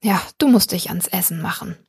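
A woman voicing a lonely old woman who mutters and scolds herself in an audiobook story, in a slightly lower, creaky voice. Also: a little fast, a little mellow, no echo, studio quality. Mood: muttering. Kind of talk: audiobook reading.

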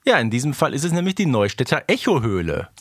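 Animated male podcast co-host, dry sound. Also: mid-range voice, fast, no echo. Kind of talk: casual fan podcast chat.

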